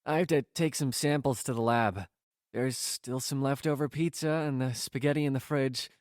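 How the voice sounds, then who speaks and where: An actor playing a mild, affectionate boyfriend in an audio drama, talking casually with slight hesitation. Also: male voice, medium pitch, fairly even intonation, normal speed, no echo, clean studio sound, natural voice. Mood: hesitant.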